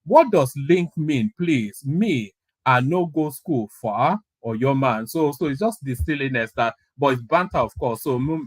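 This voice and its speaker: A man's voice: fairly high pitch, no echo. A man from Oyo in southwestern Nigeria with a Yoruba accent, hosting a casual livestream commentary and emphatically repeating his phrases. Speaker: live stream host.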